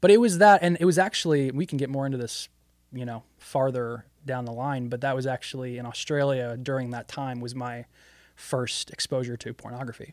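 Speaking at a fairly quick pace with an unremarkable speaking voice, a man of medium pitch shows big swings in loudness on a very clean recording with a silent background. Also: ordinary pitch variation. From New York State, partly raised in Papua New Guinea. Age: 20s. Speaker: missionary and video creator. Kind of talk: casual interview.

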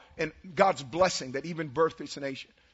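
Speaking very fast, a man sounds animated. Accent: American. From Oakland, California. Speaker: guest preacher. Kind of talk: sermon. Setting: church with audience.

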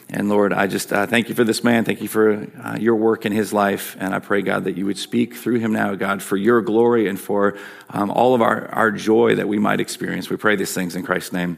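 The speaker has an American accent and a moderate pace, with hardly any pauses and fairly even intonation. Noticeable background noise runs underneath. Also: man, fairly low pitch for a man. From US Midwest. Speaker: pastor. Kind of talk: introduction and prayer. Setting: church.

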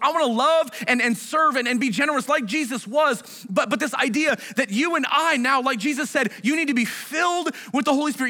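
A man speaks at a very fast pace in a raised, projected voice at an extremely high pitch, with ordinary pitch variation. Noticeable background noise is present. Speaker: pastor. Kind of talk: sermon. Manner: loud.

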